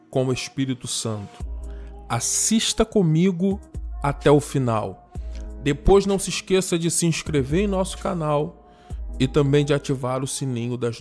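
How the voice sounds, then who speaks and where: A man reading a scripted channel introduction in a slow, deliberate announcing manner. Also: a little high, a little mellow.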